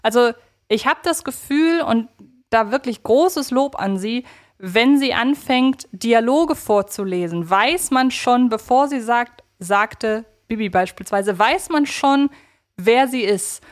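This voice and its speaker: A woman co-hosts a casual fan podcast in a fairly high voice. She is chatty and reflective, working out her opinions as she talks. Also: lively intonation, takes it slowly. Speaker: podcast co-host.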